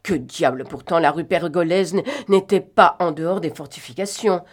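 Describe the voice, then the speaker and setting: A woman narrating a novel in an expressive, dramatic reading. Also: fairly low pitch, normal speed. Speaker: audiobook narrator.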